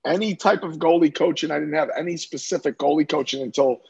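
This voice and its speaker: A man's voice: on the high side, fast talker, creaky, darkish tone, husky, no echo, muffled recording. A middle-aged man from Central New York, a lacrosse coach, talking casually in an interview with lots of fillers and restarts. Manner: talkative, many fillers and restarts.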